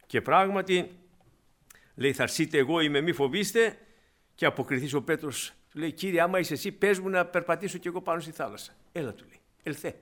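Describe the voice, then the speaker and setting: Male preacher, fairly high voice, emphatic sermon delivery with loud and soft turns. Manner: emphatic, swings from loud to quiet, acts out the Bible figures.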